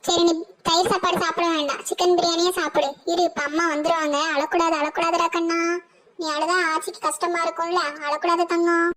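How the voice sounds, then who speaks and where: Bossy old cartoon granny, high shrill voice, scolds and nags. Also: female voice, little pitch movement, brisk, a bit bright. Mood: soothing. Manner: scolding, nagging, rustic. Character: older grandmother, bossy and scolding mother-in-law.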